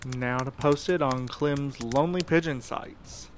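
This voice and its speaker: A man's voice: mid-range voice, unhurried, a little hiss or hum, lightly acted. A man playing a sardonic courier in an audio drama, talking in a dry, sarcastic, casual way. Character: sardonic young male courier, snarky schemer among friends. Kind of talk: naturalistic audio drama acting.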